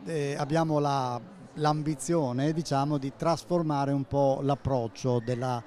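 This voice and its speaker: A retired man in his sixties, a journalist, interviewed at an exhibition stand, speaking in a measured way with fillers. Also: medium pitch, steady tone, a little mellow. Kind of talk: interview at a book fair stand. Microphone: handheld interviewer mic.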